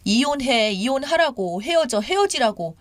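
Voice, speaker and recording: Scolding older mother-in-law put on by a woman, nagging, sharp, dry close sound, pitch jumping up. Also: lively intonation, normal speed, no room sound. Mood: shrill. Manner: sharp, scolding, shouting demands.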